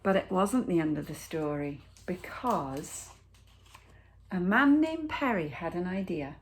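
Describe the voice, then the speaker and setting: A woman teacher reading a picture book aloud to children, with expressive, deliberate storytelling and dramatic pauses. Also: lowish voice, slight background noise.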